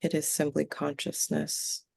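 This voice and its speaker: A woman in a seance trance voices a calm alien collective, low and gravelly. The phrases are short, formal and solemn, delivered very slowly with long breaks, as a channeling medium does. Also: heavily acted. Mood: solemn, detached. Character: collective of six calm extraterrestrial beings channeled through a medium.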